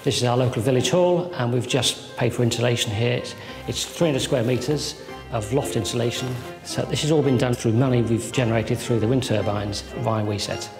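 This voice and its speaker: A man's voice: mid-range voice, normal speed. Man, informative, roomy, reverberant, music underneath. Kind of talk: documentary explanation.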